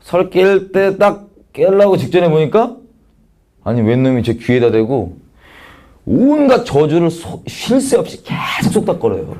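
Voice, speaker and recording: Brief: male missionary giving a testimony, slightly higher than the usual male voice, candid and self-mocking, lively storyteller. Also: a little slow. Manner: frank, colloquial, self-mocking. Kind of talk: personal testimony sermon.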